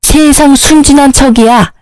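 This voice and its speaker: A woman's voice: high voice, moderate pace, darkish tone, no echo, voice pushed up, natural voice. Whiny defiant young sister-in-law, put on by a woman narrator, storybook voice, dry close sound. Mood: spiteful.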